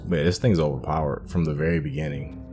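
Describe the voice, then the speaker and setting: Deep-voiced man musing over gameplay. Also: steady tone, quick pace, darkish tone, soft background music. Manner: musing, thinking aloud while playing. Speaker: gaming channel host. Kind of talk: casual let's-play commentary.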